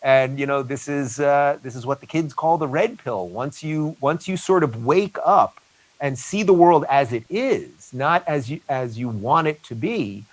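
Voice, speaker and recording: A man hosts an online conference interview, speaking at an ordinary middle pitch. He talks earnestly and restarts his sentences often. He is heard over a video call. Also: lively intonation, unhurried, rough recording. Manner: earnest, repeats words when starting sentences. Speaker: interview host. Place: remote video session.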